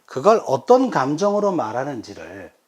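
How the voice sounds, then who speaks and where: A man's voice: medium pitch, moderate pace. A middle-aged man, a pastor, giving a workshop lecture on coaching and often acting out example conversations. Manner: animated, acts out quoted voices of children and elders. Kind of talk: lively lecture with acted example dialogues.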